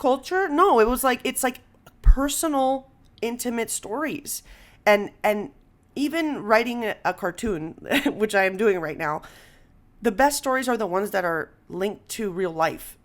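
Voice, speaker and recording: A woman hosting a podcast in casual conversation, telling stories in an animated way with frequent chuckles. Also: on the high side. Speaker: podcast host.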